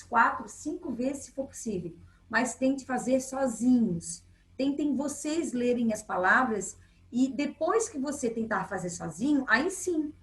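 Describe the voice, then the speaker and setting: Brazilian woman, primary school teacher, patient and encouraging, talks to kids on video, room echo. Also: a little high. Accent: Brazilian Portuguese. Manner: patient and encouraging, checking in with frequent "tá?". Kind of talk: recorded remote lesson for young children.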